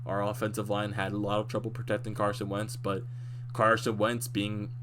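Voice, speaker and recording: A young man with a lowish voice rushes through a fan's recap of a football game, getting animated and restarting his sentences as he goes. His voice sounds a little worn, as if it is starting to go. A steady hum runs behind him through the whole recording. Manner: excited, animated fan recap with frequent restarts. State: slightly losing his voice. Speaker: sports fan commentator.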